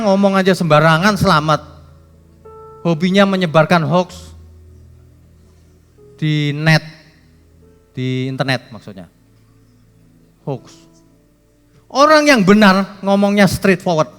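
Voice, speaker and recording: A man preaching a sermon, his voice sitting fairly high for a man. He is emphatic, swings between loud bursts and soft asides, and jokes with the congregation. He is heard in a reverberant church hall with faint music underneath. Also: sing-song, a little slow, long pauses. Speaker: pastor.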